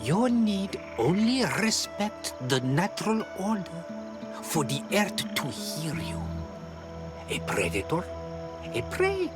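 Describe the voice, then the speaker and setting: A man's voice: high voice, huge pitch swings, slow pace, exaggerated voice. An actor playing a cryptic old tribal elder in a video game, riddling and drawing out his words. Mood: cryptic, musing. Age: older. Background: game music under the voice.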